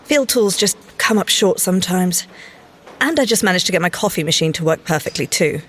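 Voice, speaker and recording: An actress playing a prim young English scientist agent in an audio drama, polite, precise and gently wry. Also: female voice, on the low side, expressive, a little fast. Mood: preoccupied, fretful.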